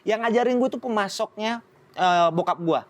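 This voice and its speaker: A young man born in Spain and raised in Bali, speaking Indonesian with a Medan-style accent, telling his story in an animated, slangy way as a podcast guest. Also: high-pitched, moderate pace. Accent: Indonesian with a Medan-style lilt. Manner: animated, slangy, jumps into voices and sung bits. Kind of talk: casual storytelling chat.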